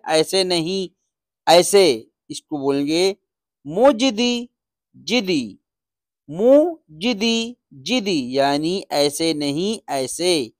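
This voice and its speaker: A man giving a beginner language lesson, saying every word twice and then explaining it. He speaks extremely slowly and deliberately. The recording is dry and close, with no room sound. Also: high-pitched, no echo. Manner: repeats each word slowly and explains its meaning. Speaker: Arabic teacher.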